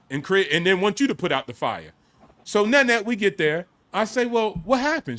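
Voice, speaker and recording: A man hosting a casual talk show, telling boastful stories in slangy, animated speech. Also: sits high. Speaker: host. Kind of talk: casual storytelling chat.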